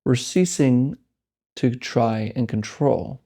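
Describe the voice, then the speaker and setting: Mellow man guiding a meditation. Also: mid-range voice, animated. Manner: gentle, unhurried phrasing with deliberate pauses. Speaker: meditation guide and host. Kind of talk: guided meditation instruction.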